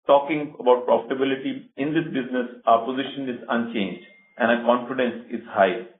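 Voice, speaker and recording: Male executive, formal and measured scripted delivery, medium pitch, heard over a roomy, narrowband phone link. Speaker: company executive. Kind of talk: prepared earnings call remarks. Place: conference call. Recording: echoey, narrowband phone conference line.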